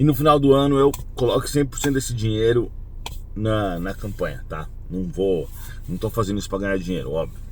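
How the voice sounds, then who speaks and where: Audible room echo surrounds the speech. The man's voice sits at a medium pitch. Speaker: spiritist YouTuber. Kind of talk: casual vlog monologue. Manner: fast.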